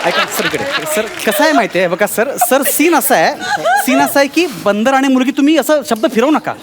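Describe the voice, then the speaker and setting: A man's voice: very high-pitched, expressive, brisk, a loud crowd, very noisy. A man performing a stage comedy sketch as a fussy film director, pleading and exasperated, repeating his words again and again. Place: studio stage before a live audience. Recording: stage show with loud music and audience.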